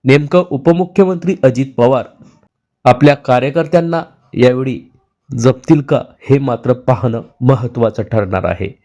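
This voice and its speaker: Male reporter, mid-range voice, steady scripted news voice-over. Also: mid-range voice, dull audio. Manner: measured, formal reading.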